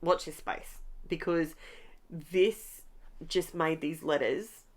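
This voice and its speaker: A woman's voice: low voice, fairly even intonation, slow. Chatty Australian woman, bit stuffed up. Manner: chatty, enthusiastic, talks while crafting. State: congested nose, recovering voice. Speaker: scrapbooking channel host. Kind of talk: casual craft tutorial chat.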